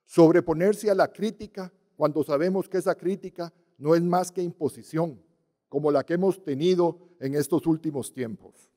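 A middle-aged man, a university rector, delivering a formal ceremonial speech from a podium in a large auditorium, measured and solemn with emphatic pauses. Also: fairly high pitch, mellow. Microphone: podium microphone. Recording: long hall reverb.

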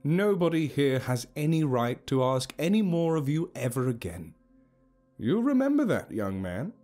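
A man voicing a grand, cheerful old tribal leader in an audio story, with slow, emphatic oratory. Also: mid-range voice, very animated, mellow, faint music behind, voice pushed up, lightly acted. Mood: earnest. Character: grand, cheerful old leader addressing his gathered tribe.

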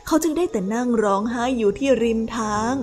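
High-pitched woman telling a children's story. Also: animated, brisk, a little mellow. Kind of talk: storybook narration for young children. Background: music.

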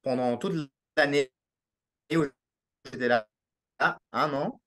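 A man's voice: mid-range voice, slow pace, a bit bright. A young man from Belgium with a Belgian French accent, a podcast guest talking casually and hesitantly over a video call from a small home room. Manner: hesitant, with many restarts and fillers. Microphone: laptop webcam mic on a video call.

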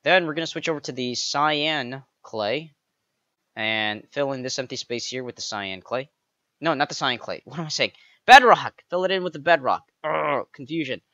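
A man narrating a step-by-step game building tutorial, counting blocks aloud with playful jokey asides and a slightly raspy voice. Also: medium pitch, lively intonation, normal speed, bright, forceful tone, dry recording, dull audio. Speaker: pixel art tutorial creator.

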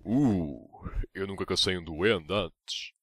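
A man's voice: low voice, slow, no room sound, clean studio sound. A man voicing a sarcastic, bloodthirsty male vampire in a comedic anime parody dub, with a European Portuguese accent and flippant, mocking delivery. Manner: mocking, flippant, swinging into sudden outbursts. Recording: loud music behind voice.

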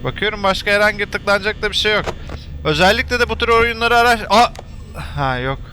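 A man talking through a horror game he is playing, joking to himself and yelling when scared. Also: high voice, fairly quick, a little hiss or hum. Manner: chatty, jokey, shouts and curses when startled. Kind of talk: let's play commentary.

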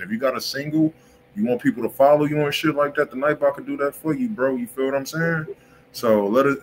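A man with an American accent hosting a livestream, chatting in casual slang and pitching insistently, often repeating himself. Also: slight background noise, poor audio. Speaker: music review stream host. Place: indoor room on a livestream.

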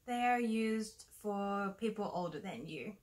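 A woman's voice: mid-range voice, expressive, unhurried. A young woman co-hosting a beginner language lesson, explaining in a friendly way with small fillers. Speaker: Korean teacher, co-host.

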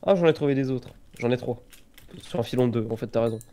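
A man's voice: medium pitch, quick pace, dark tone, slight background noise. A man, chatting and joking casually while playing a game. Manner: chatty, jokey, gives gear advice. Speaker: let's play co-host. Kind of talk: casual gaming chat.

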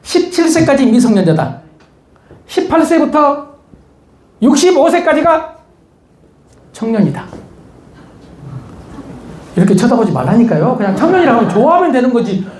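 A man giving a lively motivational lecture, teasing his audience with questions and jokes. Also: extremely high pitch, normal speed, long pauses. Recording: echoey lecture hall.

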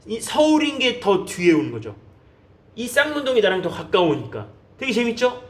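Korean man, high voice, teaches English by drilling phrases slowly and coaxing learners. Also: big pitch swings. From South Korea. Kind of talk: online English lesson.

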